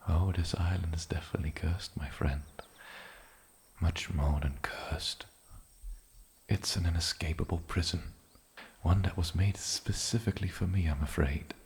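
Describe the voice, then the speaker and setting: A man playing an ancient, lonely and possessive island demon in a soft-spoken ASMR fantasy roleplay, breathy and often slipping into whispers, with a halting, sinisterly polite menace. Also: deep voice, steady tone. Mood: brooding, ominous.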